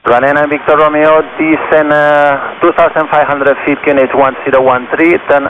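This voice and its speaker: Male controller on radio. Procedural, somewhat hesitant instructions, narrow channel with clear noise. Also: fairly high pitch, level tone, normal speed. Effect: aviation radio. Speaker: air traffic controller. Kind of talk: air traffic control instructions over radio. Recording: phone-like radio band, clear background noise.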